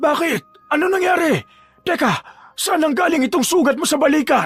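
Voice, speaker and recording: A put-on character voice at a moderate pace, faint music in the background. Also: man, extremely high pitch for a man. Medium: read story. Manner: warm, fatherly.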